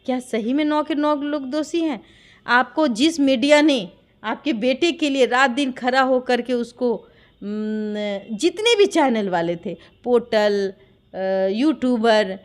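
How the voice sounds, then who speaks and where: Taking her time, a woman from Bihar, India, speaks in a high voice with a Bihari accent. As an interviewee describing a dispute, she is fervent and insistent, asking one rhetorical question after another.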